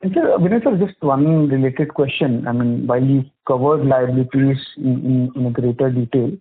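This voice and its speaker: Indian guy, analyst on a conference call, bit raspy, muffled phone audio, feels his way through questions. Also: medium pitch, moderate pace, soft background music. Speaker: financial analyst asking questions.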